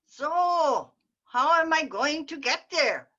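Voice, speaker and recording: A woman playing a fussy old Jewish mother, slow. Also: sits high, animated, bright, forceful tone, full character voice. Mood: reluctant. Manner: reluctant, complaining. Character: fussy older Jewish mother making excuses. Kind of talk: readers theater joke reading. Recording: dull lo-fi video call audio.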